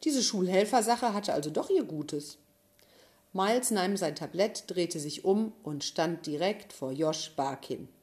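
A woman with a fairly low voice reads a children's story aloud. Her narration is scripted, even and measured. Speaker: audiobook narrator.

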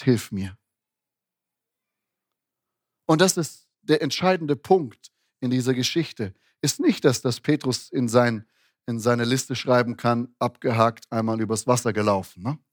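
A man's voice: medium pitch, dry recording, studio quality. A man preaching a sermon in a conversational way, with frequent restarts and tag questions. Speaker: pastor.

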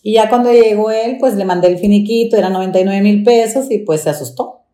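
This Mexican domestic worker, whose voice is mid-range and a little fast, shares her story in an interview in an echoey room. Her retelling is lively, and she acts out each line of quoted dialogue.

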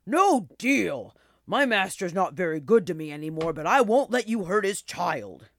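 A woman voicing a weary, toothless old male dog in a children's storybook, slow, sighing and grumbling. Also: rumbling low, a little mellow. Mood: indignant.

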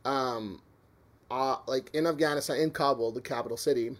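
A man's voice: medium pitch, moderate pace. A Canadian man telling stories in a casual podcast chat, rambling with plenty of "um" and "like". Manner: chatty, rambling with many fillers.

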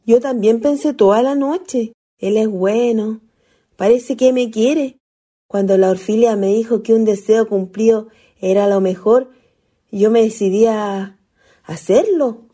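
A woman's voice: on the high side, unhurried, dark tone. A woman playing a lovestruck young ghost, a naive country girl with a Chilean accent and earnest colloquial speech, in a radio play. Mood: lovestruck, hopeful. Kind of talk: radio theatre acting.

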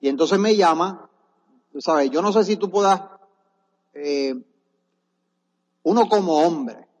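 A man's voice: a little high, slow pace, darkish tone. Man, motivational seminar speaker; earnest and urging, long hall echo, muffled sound. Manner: earnest, exhorting the audience. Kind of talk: motivational testimony on stage. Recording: dull echoey hall recording.

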